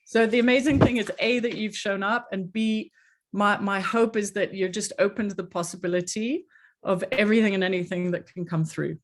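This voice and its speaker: A middle-aged woman coach with an international English accent that resists any single country. She talks in an earnest, chatty way, full of fillers, at a middle pitch, over a video call. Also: steady tone, fairly quick. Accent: mixed international English accent, hard to place. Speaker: coach and workshop host. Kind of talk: online workshop introduction.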